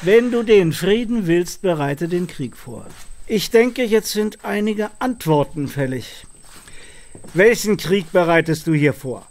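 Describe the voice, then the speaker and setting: A man's voice: sits high, animated, a little slow, darkish tone, a little hiss or hum. A man acting a chatty, wry, self-assured American ex-serviceman in a horror audio drama. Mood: firm, probing. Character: American millionaire ex-Air Force man, chatty, wry, sure of himself.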